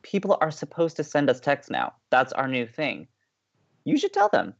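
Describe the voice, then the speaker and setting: Lively, perky student radio co-host. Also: male voice, on the high side, moderate pace, gravelly, lo-fi sound, heavily acted. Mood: playful, cheery. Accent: American. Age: young adult. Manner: upbeat, playful, teasing. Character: perky, eager, quirky young male college radio co-host. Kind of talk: audio drama dialogue as banter.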